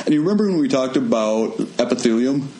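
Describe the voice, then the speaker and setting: A young man co-hosting a podcast, explaining in a relaxed way with many fillers. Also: mid-range voice, quick pace. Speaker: podcast host. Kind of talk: casual chat and explaining. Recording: echoey room with faint music.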